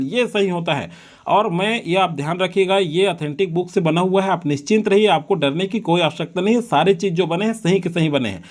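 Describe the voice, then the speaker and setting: High-voiced man teaching spelling. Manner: repeats words slowly to drill spelling. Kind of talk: exam-prep lesson on correct spelling.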